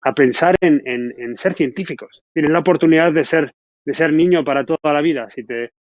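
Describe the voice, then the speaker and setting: Halting man on dull, dry audio. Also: on the high side, a little mellow, no echo. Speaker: scientist, guest. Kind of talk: encouraging, spontaneous interview remarks.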